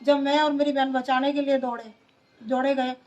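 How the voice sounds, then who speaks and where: A woman giving a long account to a reporter, pausing on hesitant fillers as she recounts. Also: sits high, fairly even intonation, a little mellow, highs cut off. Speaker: interviewee, a journalist's wife. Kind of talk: emotional testimony to a reporter.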